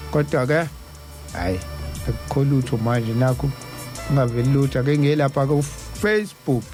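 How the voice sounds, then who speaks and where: A man's voice: mid-range voice, expressive, normal speed, darkish tone, faint music behind. A South African man hosting a talk show in a casual, conversational way. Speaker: radio host.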